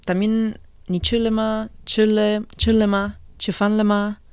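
A woman's voice: mid-range voice, flat delivery, takes it slowly, darkish tone, smooth, no echo. A woman co-hosting a radio language lesson, announcing segments and repeating phrases after the teacher. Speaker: co-host and learner.

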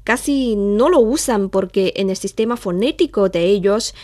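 A woman's voice: medium pitch, moderate pace, darkish tone, no room sound, clean studio sound. A woman from China with Chinese as her first language, teaching a language lesson in Spanish and modelling words for her co-host to repeat.

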